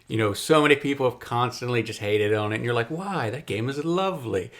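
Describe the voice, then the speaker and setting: A man's voice: medium pitch, lively intonation, fairly quick, a bit bright. Casual man chatting on a gaming podcast. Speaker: podcast host.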